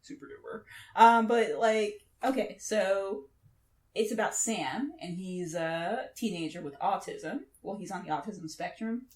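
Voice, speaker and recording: A woman's voice: medium pitch, measured pace, darkish tone. A woman co-hosting a casual pop-culture podcast, enthusiastic and peppering her talk with "like". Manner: enthusiastic, heavy use of "like". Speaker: podcast co-host. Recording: echoey room.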